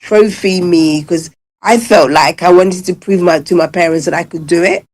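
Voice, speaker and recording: On a casual radio interview, a Ghanaian-born salon owner in her fifties tells her story at length, using lots of fillers. She speaks at a moderate pace, her voice on the low side with fairly even intonation and a darkish tone.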